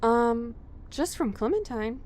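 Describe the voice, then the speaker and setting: A woman's voice: fairly high pitch, lively intonation, slow, darkish tone, slight background noise. A woman acting a friendly, concerned, polite character who is eager to help, in audio drama dialogue.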